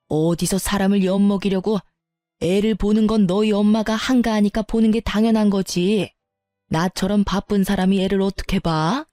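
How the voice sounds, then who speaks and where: A woman voicing a greedy, demanding older mother-in-law who scolds harshly, with a lowered voice. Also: mellow, no echo, lightly acted.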